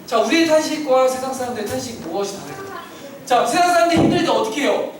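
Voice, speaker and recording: Expressive and quick, a high-voiced man serves as children's pastor, asking the kids questions and leading call-and-response during an interactive sermon in a church hall. Crowd noise, heavy echo, a distant mic, and audible children fill the recording.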